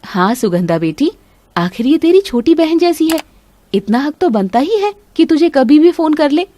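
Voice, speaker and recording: Woman doing a bossy sly mother-in-law in a cartoon, high voice, swings up and down a lot, sharp and scolding. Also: very animated, normal speed, dry recording. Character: scheming bossy middle-aged mother-in-law. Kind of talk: animated storybook voice acting.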